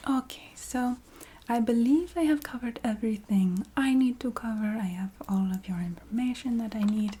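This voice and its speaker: A woman voicing a polite, businesslike vampire recruiter in an ASMR roleplay, speaking in a soft half-whisper with a put-on foreign accent and halting, apologetic formality. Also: fairly high pitch, husky. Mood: businesslike, patient. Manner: halting, formal, polite filler-laden explaining.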